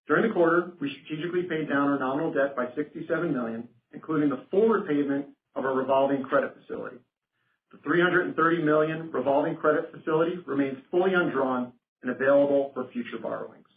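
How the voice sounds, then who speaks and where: A man speaking formally as a finance executive presenting on a company earnings call. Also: on the high side. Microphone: conference phone call. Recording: roomy phone line with noticeable hiss.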